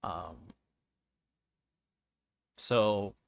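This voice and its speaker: A man giving casual, rambling commentary as a game streamer, halting and searching for words, often trailing off mid-thought. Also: lowish voice, creaky, no echo. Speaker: streamer reviewing a visual novel game.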